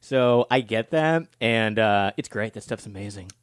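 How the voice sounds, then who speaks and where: A man's voice: on the low side, a little slow, dry recording, clean studio sound. A podcast host in his forties chatting casually, rambling and poking fun at himself. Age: 40s. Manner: chatty, rambling, self-mocking. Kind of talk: casual chat.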